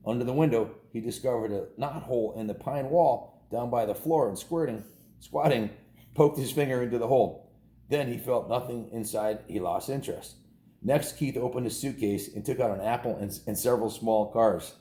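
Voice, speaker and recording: A man's voice: mid-range voice, normal speed, warm tone, reverberant. A man reading a children's story aloud in an informal, homespun way, stumbling and correcting himself with casual asides.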